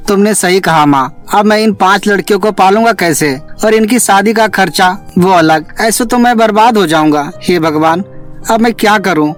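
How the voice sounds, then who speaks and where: A man plays a weak, fretting husband in a cartoon story. His voice is high for a man and sounds anxious and complaining. There is music underneath. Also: moderate pace, close to an everyday voice. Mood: worried, complaining. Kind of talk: melodramatic Hindi cartoon story acting.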